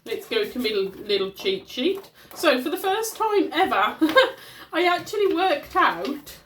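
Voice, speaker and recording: A woman's voice: high voice, big pitch swings, measured pace, a bit bright, slight background noise. A woman in her thirties from the West Midlands with a Black Country accent, talking through her monthly budget at home in a chatty, rambling way, slightly nasal and congested from a cold. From West Midlands, England. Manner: chatty and rambling, with many ums and restarts. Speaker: budgeting vlogger. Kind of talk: casual chat to camera while handling a planner. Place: at home, at a desk.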